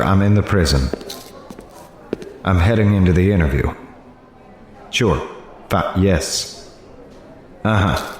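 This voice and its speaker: An actor playing a harried, determined newspaper reporter who narrates his own story in an audio drama. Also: sits low. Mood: exasperated, hurried. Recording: roomy echo, faint ambience.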